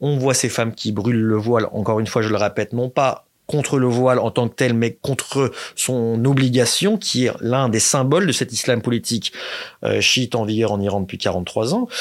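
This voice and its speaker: A man of medium pitch talks at a moderate pace with very even loudness and ordinary pitch variation, in a very clean recording with a silent background. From France. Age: 30s. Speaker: journalist. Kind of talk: interview. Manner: hesitant, with fillers.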